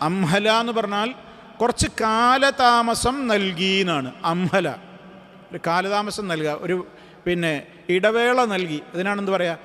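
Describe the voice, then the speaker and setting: Male religious teacher, high voice, long hall reverb, rhetorical questions, repeats key words. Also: measured pace, sharp tone. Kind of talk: Islamic study-class lecture.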